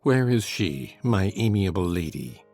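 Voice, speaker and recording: A man voicing a grim, sneering middle-aged master of the house, speaking slowly and coldly. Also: low-pitched, very animated, vocal fry, darkish tone, soft background music, voice pushed down, heavily acted. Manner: slow, cold, mocking.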